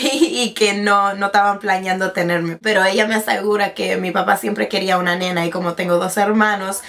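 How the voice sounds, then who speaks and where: A beauty vlogger in her twenties, raised speaking Spanish but now mostly speaking English, talks casually from her bedroom at a vanity desk, seated at medium distance from a camera in front. Her mid-range voice is gravelly and fairly bright. She is chatty, often restarts, and slips in English words.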